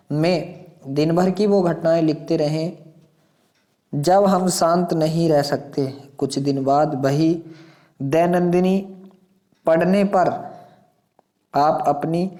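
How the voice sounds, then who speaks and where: A man's voice: on the high side, dark tone. A man teaching an exam lesson, reading questions and passages aloud in an instructive way, repeating phrases and putting questions to his students.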